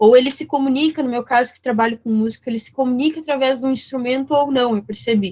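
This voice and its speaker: A woman's high-pitched voice, fairly quick, with ordinary pitch variation. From interior of Paraná, Brazil. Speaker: music teacher. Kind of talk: lecture.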